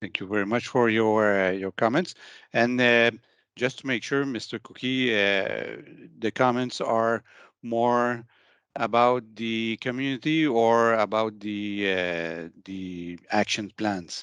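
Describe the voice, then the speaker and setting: With a French accent, the speaker goes at a very slow pace with ordinary pitch variation over a quiet background. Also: man, medium pitch for a man. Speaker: consultant project lead. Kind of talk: webinar closing remarks. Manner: halting.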